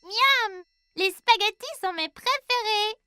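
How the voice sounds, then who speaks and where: An actor voicing an excitable, dramatic four-year-old boy in a French children's cartoon dub. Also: slow, exaggerated voice. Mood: excited. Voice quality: high, childlike. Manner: dramatic, exclaiming.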